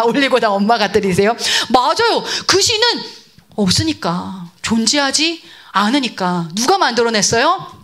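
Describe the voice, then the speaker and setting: High, lively woman preacher. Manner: animated, questions the audience and answers herself. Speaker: preacher to children. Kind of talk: lively storytelling sermon.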